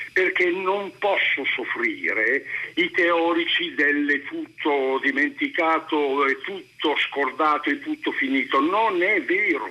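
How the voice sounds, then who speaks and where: Noticeable background noise accompanies a man who speaks at a very slow pace. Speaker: caller. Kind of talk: phone call comment. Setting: phone call.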